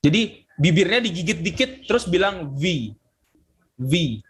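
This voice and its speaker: High-voiced Indonesian man teaching a class. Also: a little slow, slightly rough. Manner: relaxed and joking, drills words for a class to repeat. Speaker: English teacher. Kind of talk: classroom pronunciation lesson. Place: classroom with students.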